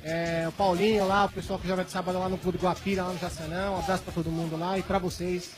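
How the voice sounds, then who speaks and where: A fan talks fast and high in an excited, slangy way, interviewed outdoors on a stadium pitch. Music plays clearly behind him. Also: male voice. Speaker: listener and fan. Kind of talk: live on-site interview.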